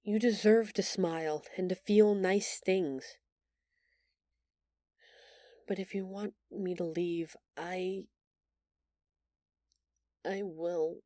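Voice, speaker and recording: A woman playing a gentle, shy female alien who stammers earnestly and apologetically in an intimate audio roleplay. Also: fairly low pitch, fairly even intonation, slow pace, no room sound, studio quality. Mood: timid, apologetic.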